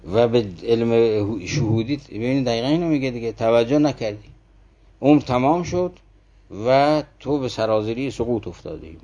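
A man gives a didactic talk on a classical verse story, speaking at an ordinary middle pitch. He keeps turning to his listeners with direct appeals and rhetorical questions as he draws out the lesson. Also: darkish tone. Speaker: teacher of classical poetry.

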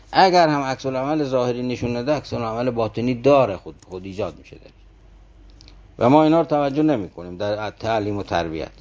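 A man with a mid-range, slightly mellow voice teaches a classical verse story in a didactic talk. He explains its meaning and often turns to his listeners with rhetorical questions.

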